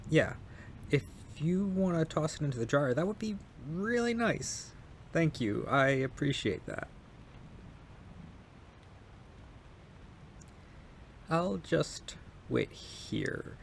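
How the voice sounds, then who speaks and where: A man's voice: a little high, gravelly, slight background noise, heavily acted. A man playing a shy, polite and kind young male neighbor in an intimate ASMR roleplay, speaking hesitantly and apologetically, with stammers. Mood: grateful, shy.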